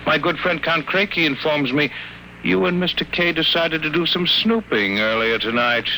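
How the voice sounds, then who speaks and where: An actor playing a cold, smoothly menacing sanatorium doctor with calm clinical threats in a 1950s radio drama. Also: male voice, on the high side, normal speed. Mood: smug, clinical. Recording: noisy old 1950 radio broadcast.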